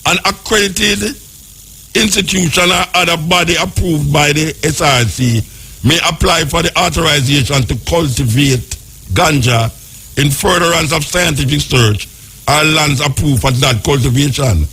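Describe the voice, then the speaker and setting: A Jamaican radio host reading a legal text aloud and breaking off into joking patois comments on it. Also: male voice, on the high side, moderate pace, sharp tone, slightly rough.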